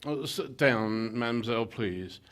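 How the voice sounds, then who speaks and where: An actor playing a genial, scheming black-market boss with oily courtesy and hesitant ums, in 1940s-style radio theater. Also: male voice, mid-range voice, normal speed, fairly bright tone, close to an everyday voice. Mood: smooth, courteous.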